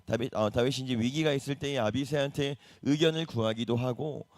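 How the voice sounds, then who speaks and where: A man's voice: mid-range voice, brisk, a little mellow, dry recording. Korean male pastor preaching. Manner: conversational preaching, rhetorical questions to the congregation. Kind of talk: early-morning sermon. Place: church.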